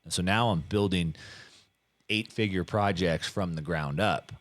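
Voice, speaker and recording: A middle-aged man telling his life story in a casual interview, animated and full of fillers and restarts. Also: deep voice, unhurried, no echo. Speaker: guest.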